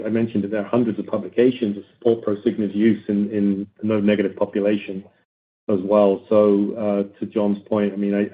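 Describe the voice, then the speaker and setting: Low-voiced man on a tinny call line. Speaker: company executive answering analysts. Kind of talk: earnings call commentary. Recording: tinny phone-like conference call audio.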